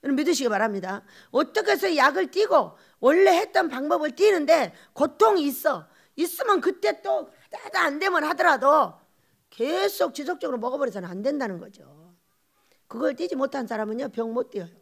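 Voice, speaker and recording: A woman pastor giving an animated sermon, firing rhetorical questions and laughing asides. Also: sits high, a little fast, vocal fry.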